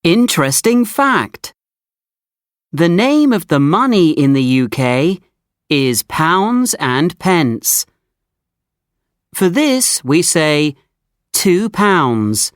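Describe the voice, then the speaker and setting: Brief: lowish woman's voice, lively pitch, very slow explaining, dry studio. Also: no echo. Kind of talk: scripted textbook narration.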